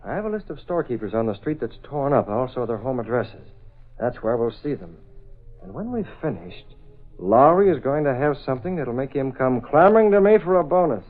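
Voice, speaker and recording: An actor playing a composed male newspaper publisher who is secretly a masked hero, in a measured, authoritative 1930s radio drama style, on a tinny old recording. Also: mid-range voice, big pitch swings, soft background music. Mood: calm.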